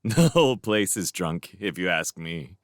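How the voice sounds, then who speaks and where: A man's voice: big pitch swings, measured pace, dry recording, clean studio sound. A man voicing a female soldier who giggles and chats, then cries out in terror as the ground shakes. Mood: chatty. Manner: giggly, then shrill panicked screaming. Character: female soldier Showen (Canada), chatty then terrified.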